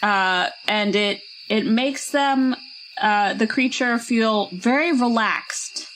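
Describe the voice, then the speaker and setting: A woman's voice: a little high, slow pace, a bit bright, poor audio. A woman player in a tabletop role-playing game, chatting casually and improvising in a laid-back, hesitant, slangy way. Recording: faint noise with night insects and owls.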